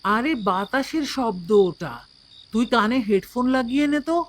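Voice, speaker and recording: A woman voicing a sensible, devout young schoolboy in an animated horror story. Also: a little high, moderate pace, natural voice. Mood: reassuring. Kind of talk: animated horror cartoon acting.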